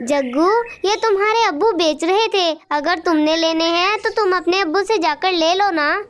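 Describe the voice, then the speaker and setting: A woman's voice: very high-pitched, moderate pace. A woman voicing a clever, talkative little boy bird in a cartoon, eager and pleading.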